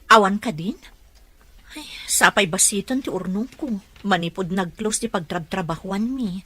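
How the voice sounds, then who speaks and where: A woman playing a humble, hard-up mother and household helper in a radio drama, gentle and deferential. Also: medium pitch, moderate pace, slightly rough. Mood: worried.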